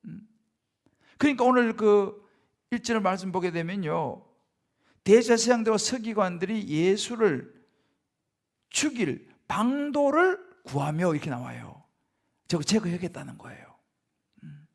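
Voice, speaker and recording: Male pastor, middle-aged, sermon, rhetorical questions, lively delivery, raspy fry. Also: high-pitched, measured pace, long pauses. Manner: conversational preaching, frequent rhetorical questions. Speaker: senior pastor. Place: church sanctuary.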